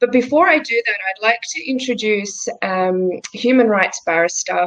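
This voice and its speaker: A woman speaks with a fairly high pitch. Her pace is moderate and her intonation lively. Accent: Australian. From Australia (born in Bosnia, moved as a young child). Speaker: immigration lawyer, presenter. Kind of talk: conference presentation. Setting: online summit.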